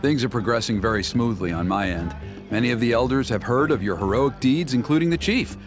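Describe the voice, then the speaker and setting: An actor voicing a scheming middle-aged tribal elder in a game, flattering and ingratiating in manner. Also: male voice, mid-range voice, brisk, lightly acted. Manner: oily, ingratiating, lively intonation. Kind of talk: game voice acting. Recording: muffled game audio with music.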